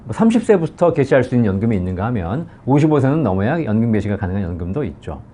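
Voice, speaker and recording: Guy explaining pensions to viewers, persuasive, quick talker. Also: mid-range voice. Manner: lively, persuasive, acts out callers' questions. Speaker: pension consultant and channel host.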